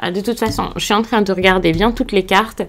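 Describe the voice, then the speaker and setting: A woman's voice: mid-range voice, fairly even intonation, fairly quick. A woman from France giving a casual tarot reading to camera, hesitant with frequent fillers and restarts, in a reassuring tone. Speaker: tarot card reader.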